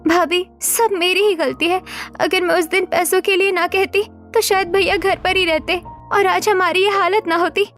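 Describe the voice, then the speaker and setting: Earnest, pleading young sister-in-law in a cartoon, a woman doing the voice, pitched up high. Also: steady tone, moderate pace, fairly bright tone, soft background music. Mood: guilty. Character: young sister-in-law, anxious and guilt-ridden. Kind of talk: cartoon story voice acting.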